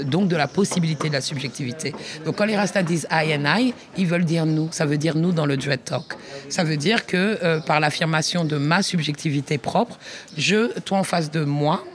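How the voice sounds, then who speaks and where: A woman researcher giving a reflective talk at a workshop, thinking aloud with many restarts and speaking to the listener informally. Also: deep voice.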